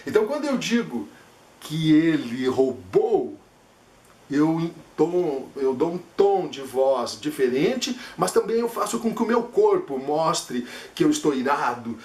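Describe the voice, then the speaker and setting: Male speaking coach, emphatic, demonstrative, a bit high-pitched, roomy recording. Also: big pitch swings, unhurried, darkish tone. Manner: emphatic, demonstrative, shifts tone freely. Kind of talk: teaching lesson. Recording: echoey room.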